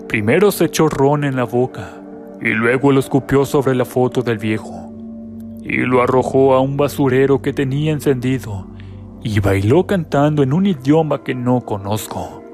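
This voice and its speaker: A man giving scripted, dramatic narration of a first-person horror story. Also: medium pitch.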